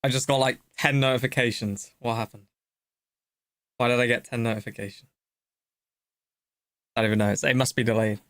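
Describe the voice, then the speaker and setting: A man's voice: medium pitch, fairly quick, pauses often, dry recording, clean studio sound. Hyped rambling male streamer. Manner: excited, rambling with many restarts. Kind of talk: live stream reaction.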